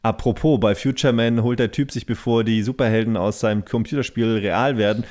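A man co-hosting a podcast in casual comedic chat, rambling and joking with loud bursts. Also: medium pitch, fairly even intonation, brisk. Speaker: podcast co-host.

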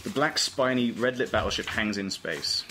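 A man's voice: lowish voice, lively intonation, normal speed, bright, forceful tone. A man reading stage directions as scripted narration at an informal table read. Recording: faintly noisy table read recording.

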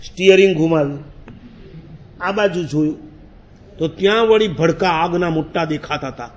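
Man, high voice, Jain monk, animated sermon storytelling, acts out his past words. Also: normal speed.

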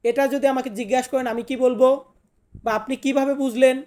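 A man's voice: very high voice, steady tone, fairly quick, darkish tone. A man teaching a language lesson, repeating each word and asking then answering his own questions. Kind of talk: Italian alphabet lesson in Bengali.

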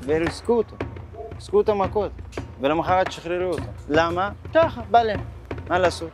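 A man in an outdoor city interview, telling his account emphatically and with agitation. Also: sits high. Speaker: interviewee, asylum seeker community member. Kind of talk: interview talk. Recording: music bed underneath.

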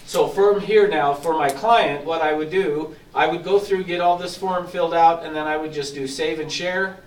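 A man training real estate agents, walking them step by step through signing software in a casual, explanatory way, a bit hoarse and clearing his throat as he loses his voice. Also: a little high, normal speed. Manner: explanatory, casual, self-deprecating. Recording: echoey room from far off, faint hiss.

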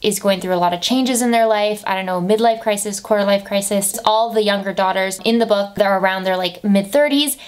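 A woman's voice: medium pitch, a little fast, hardly any pauses, clear, resonant tone. A woman of twenty-five chatting casually about her monthly favourites, upbeat and full of "like" fillers, filmed by a camera at her bedroom desk. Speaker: beauty vlogger. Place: bedroom with desk and lamp, indoors.

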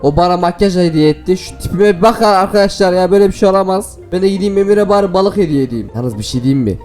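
A man hosting a gaming video, giving excited, playful commentary to viewers and laughing often. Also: sits high, quick pace, faint music behind.

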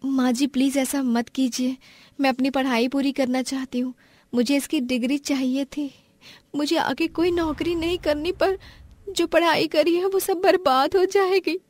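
Woman playing a meek, high-voiced young daughter-in-law. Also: fairly even intonation, moderate pace, a little mellow, dry recording, lightly acted. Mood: pleading. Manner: deferential, apologetic. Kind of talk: animated family story acting.

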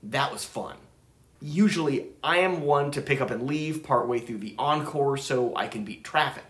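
A man's voice: medium pitch, normal speed, a bit bright, echoey room. A man in his thirties hosting a vinyl channel, narrating his trip in an enthusiastic, chatty way. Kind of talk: casual travel vlog narration. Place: room with record shelves.

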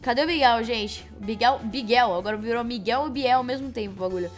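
A woman with a Brazilian Portuguese accent hosting a let's-play, excitable, shrieking and teasing as she plays. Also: on the high side, quick pace, faint music behind. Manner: excitable, shrieks and shouts at game events, playful teasing. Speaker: gaming channel host. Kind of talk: let's-play game commentary.

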